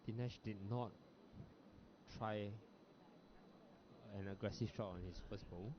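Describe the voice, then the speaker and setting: A man from Singapore with a Singaporean English accent, giving relaxed, chatty live commentary on a bowls match, with frequent fillers. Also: on the low side, measured pace. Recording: lo-fi broadcast audio with background noise.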